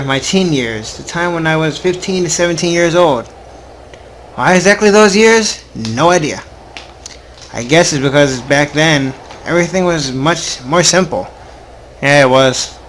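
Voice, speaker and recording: A man's voice: fairly high pitch, measured pace, fairly bright tone, a little hiss or hum. A young adult man hosting a casual gaming video, reading story text aloud informally with offhand asides and the occasional stumble.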